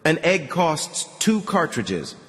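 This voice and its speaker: A man's voice: on the high side, big pitch swings, slow, fairly bright tone, voice pushed up, exaggerated voice. A man voicing a scruffy bearded egg seller who haggles firmly, in a reverberant audiobook reading. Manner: firm, haggling.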